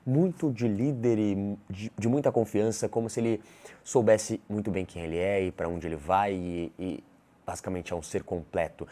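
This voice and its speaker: Deep-voiced Brazilian coach, firm and blunt. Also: male voice, mellow. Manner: firm, emphatic and blunt, with casual swearing. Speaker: communication coach. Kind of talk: monologue.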